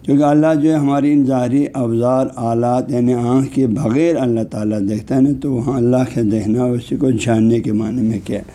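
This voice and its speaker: A male Islamic scholar delivers a religious lecture, going through terms one word at a time, leaning on filler phrases, and reading Arabic passages slowly. His voice sits at a medium pitch with fairly even intonation and a warm tone.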